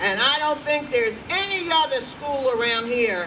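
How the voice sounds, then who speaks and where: A woman's high, raised, projected voice carries lively intonation over noticeable background noise. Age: 80s+. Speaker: retired high school principal. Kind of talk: reunion speech.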